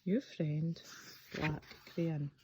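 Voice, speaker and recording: A woman's voice: low-pitched, steady tone, very slow, noisy background, pitched below the performer's own voice. A woman voicing a resentful, overlooked black crayon from a storybook, pleading in an aggrieved way. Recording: dull, echoey room recording.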